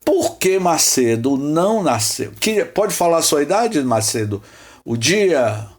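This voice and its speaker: A man's voice: a little high, big pitch swings, slow pace. A man from Salvador leads an informal teaching session. He rambles, repeats himself, asks rhetorical questions and calls on people by name. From Salvador, Bahia, Brazil. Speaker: host leading a spiritist study session.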